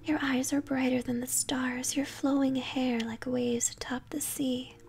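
A woman's voice: high-pitched, level tone, unhurried, creaky, darkish tone. A woman voicing a fanatical monster cultist in a game, chanting reverent verse in a whisper. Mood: worshipful.

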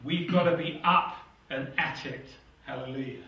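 With a higher voice, moderate pace and some vocal fry, an older British man gives an earnest, fervent sermon that includes scripture reading, hushing at the close of his phrases. He's in a small church hall. The lapel mic sounds somewhat distant amid the hall's echo.

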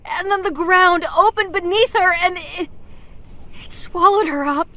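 Cartoon game heroine: tough, guilty furry creature, curt delivery, tense bright tone. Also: female voice, very high voice, unhurried, full character voice. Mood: distraught. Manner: blunt, curt, intense. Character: hardened, guilt-ridden female furry cartoon adventurer creature. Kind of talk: animated video game character acting.

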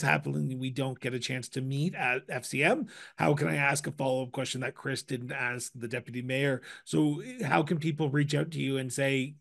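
A middle-aged man hosting a podcast interview, asking questions into a studio microphone, with halting starts and playful asides. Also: mid-range voice, creaky, fairly bright tone. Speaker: podcast host. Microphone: studio mic with headphones.

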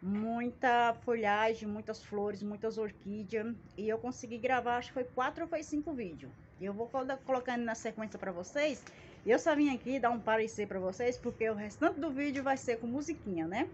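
Speaking at a moderate pace with a fairly high voice, the forty-something Brazilian woman jokes and pokes fun at herself in a folksy way while talking to camera on her arm's-length phone for her plant channel. She stands in a small, plant-filled outdoor yard beside a wall; the audio is dull and noisy.

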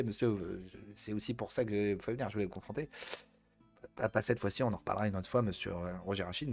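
Man, fairly low voice, host reading an article aloud, halting, joking asides, faint music under him. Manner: halting, breaks off to joke with the guest.

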